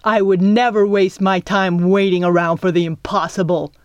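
A blunt, jeering young girl from a storybook reading, slightly higher than a grown woman's speech and said with a scoff, as a woman reads her. The voice is close and dry, with no room around it. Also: big pitch swings, moderate pace, darkish tone, dry recording, dull audio, lightly acted. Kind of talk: audiobook character voice.

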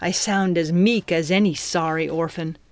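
A woman's voice: on the low side, fairly even intonation, moderate pace, darkish tone, no room sound, close to an everyday voice. A woman voicing a plucky but frightened young orphan girl in an audiobook, earnest and meek.

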